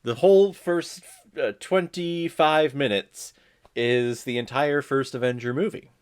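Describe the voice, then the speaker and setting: A man's voice: mid-range voice, measured pace, smooth. A man hosting a casual movie watch-along, joking sarcastically and talking back to the screen. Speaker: reaction video host.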